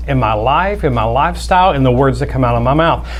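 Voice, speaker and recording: With noticeable background noise and audible room echo, a man speaks at a very fast pace. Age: old. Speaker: minister. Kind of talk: casual chat.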